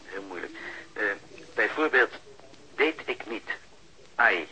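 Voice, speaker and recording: An actor playing a chatty, pedantic sound technician in a radio drama, hesitantly explaining things step by step over the telephone. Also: male voice, lowish voice, lively intonation, slow, sharp tone, a little hiss or hum, heavily acted, rough recording. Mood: fussy, matter-of-fact.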